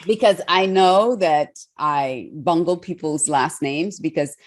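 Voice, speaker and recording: A woman's voice: deep voice, slow. A woman from Trinidad with a Trinidadian accent, hosting a podcast interview with enthusiastic, emphatic delivery. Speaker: podcast host.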